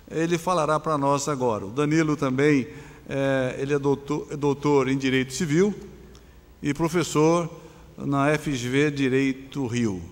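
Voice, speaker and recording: A man with a Brazilian Portuguese accent moderating a conference panel in a formal way, often adding tag questions. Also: on the high side. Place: large conference hall. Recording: long hall reverb.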